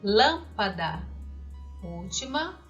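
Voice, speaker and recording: A woman with a medium-pitched, sing-song, slightly bright voice teaches children grammar, reading example words and asking questions. She takes it slow and deliberate, spelling out each example. Faint music sits beneath the dull, lo-fi sound.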